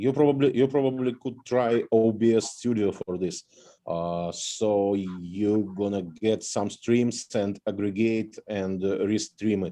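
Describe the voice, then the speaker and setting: A man's fairly low, dark and mellow voice with a non-native accent, at a fairly slow pace against a quiet background. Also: ordinary pitch variation. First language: not English. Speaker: ham radio operator. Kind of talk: casual chat. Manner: halting.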